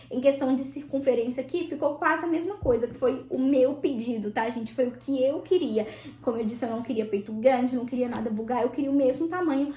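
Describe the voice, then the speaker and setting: A young Brazilian woman vlogging, chatting in an animated way as she answers her viewers' questions. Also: high-pitched, roomy sound.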